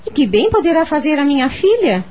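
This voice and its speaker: An actress playing an anguished, stubborn Catholic mother in a radio soap opera, with a husky voice and an emphatic, defensive manner. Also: high-pitched, big pitch swings, a little fast, a little mellow. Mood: indignant.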